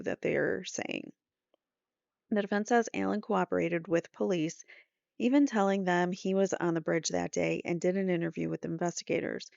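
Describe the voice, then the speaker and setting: A woman's voice: lowish voice, gravelly, a little mellow, no echo, muffled recording. A middle-aged woman reading trial updates aloud as a host, adding casual explanatory asides as she goes.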